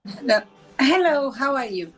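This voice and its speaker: A woman's voice: high-pitched, lively intonation, slow, slightly rough, low-quality recording. A woman from Argentina with an Argentine accent, chatting bluntly and teasingly with a stranger on a video call. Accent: Argentine Spanish. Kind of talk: casual video chat.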